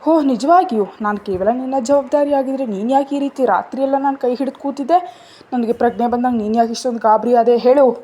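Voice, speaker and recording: Woman reading as a soft, pleading young woman. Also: on the high side, brisk, slightly rough. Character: stubborn young woman in hospital bed. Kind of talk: storybook narration.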